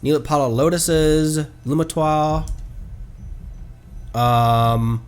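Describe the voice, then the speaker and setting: A man livestreaming a game with casual commentary, thinking aloud in a halting way. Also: fairly high pitch, clear, resonant tone.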